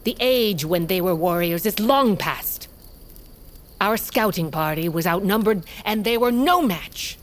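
An actress playing an imperious, ruthless tribal queen in a fantasy audio drama, speaking in measured commands. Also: medium pitch, animated, natural voice. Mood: menacing, proud.

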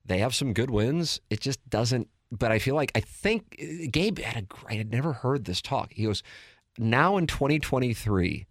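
A man's voice: medium pitch, expressive, normal speed, hardly any pauses, dry recording, studio quality. A man hosting a sports talk show, giving strong opinions in casual chat and restarting his sentences as he thinks aloud. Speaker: sports radio host.

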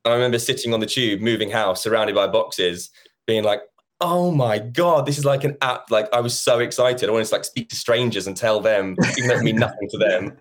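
A man talks in a relaxed, chatty way, slipping into little quoted exchanges as he tells his story. He is in his thirties, and his voice sits on the low side. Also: a little fast. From England. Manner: chatty, acts out quoted conversations. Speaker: musical theatre actor, guest. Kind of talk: casual interview chat.

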